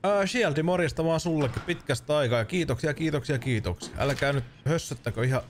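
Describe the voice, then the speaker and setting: A man's voice: a little high, slight background noise. A man in his thirties streaming a game, chatting casually, joking and swearing often. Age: 30s. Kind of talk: casual let's-play commentary.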